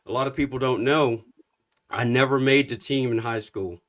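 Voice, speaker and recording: A man's voice: medium pitch, normal speed. Plain-spoken male coach. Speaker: coach and show host. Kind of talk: casual conversation on a live show.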